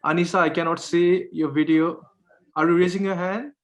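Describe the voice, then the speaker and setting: A man's voice: fairly high pitch, steady tone, normal speed. A man whose first language is Nepali, moderating an online panel over a video call, hesitant, with many fillers and restarts.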